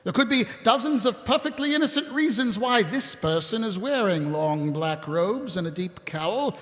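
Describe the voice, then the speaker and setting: Sardonic watch captain, high voice, wry, rambling, exasperated, echoey hall. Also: male voice, animated, moderate pace, a bit bright. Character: weary, sardonic city watch captain, middle-aged man. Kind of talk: live audio theatre acting. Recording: echoey live stage hall, music behind.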